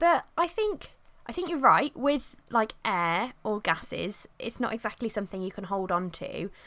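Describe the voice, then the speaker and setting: The tone is bright and sharp, with very wide pitch swings. The speaker has an English Midlands accent. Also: woman, fairly high pitch for a woman, moderate pace. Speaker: podcast co-host. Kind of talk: casual chat.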